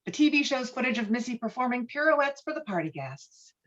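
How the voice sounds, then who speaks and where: A woman's voice: a little high, sing-song, brisk, a bit bright. A woman reading stage directions as scripted narration for a table read. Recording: dull, lo-fi online call audio.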